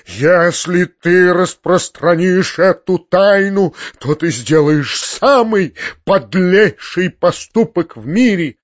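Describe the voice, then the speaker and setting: A man voicing a kindly middle-aged gentleman who pleads loudly in agitation. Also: fairly high pitch, measured pace, dull audio, lightly acted. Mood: agitated. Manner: loud, pleading.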